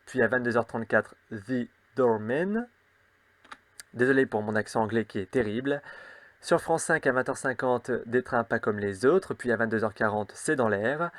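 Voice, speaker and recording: Man briskly reading TV listings. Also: medium pitch, a bit bright, no echo. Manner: brisk listing with casual asides. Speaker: host. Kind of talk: reading out the TV schedule.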